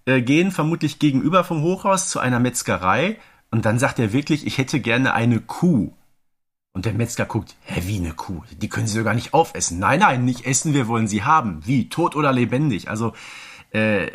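A man's voice: medium pitch, expressive, fairly quick, fairly bright tone, breathy edge. A man co-hosting a podcast in casual, enthusiastic chat, telling things emphatically with plenty of rhetorical questions. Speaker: podcast co-host.

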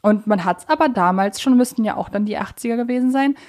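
A woman's voice: on the high side, fast, darkish tone. Woman co-hosting a conversational podcast. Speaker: podcast co-host.

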